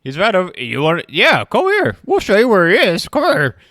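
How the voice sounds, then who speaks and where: A man's voice: sits high, huge pitch swings, normal speed, bright, forceful tone, no echo, studio quality, pitched above the performer's own voice, exaggerated voice. A man voicing a sly, over-friendly dire wolf in a tabletop game, with an eager, beckoning manner. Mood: gleeful, beckoning.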